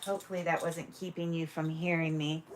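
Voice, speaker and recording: A woman's voice: low voice, little pitch movement, a little fast, slight background noise. A woman selling jewelry on a livestream, chatting casually with lots of fillers while she handles each pair. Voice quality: describes own voice as loud. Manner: chatty, many fillers, thinks aloud while handling items. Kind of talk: casual livestream sales chat.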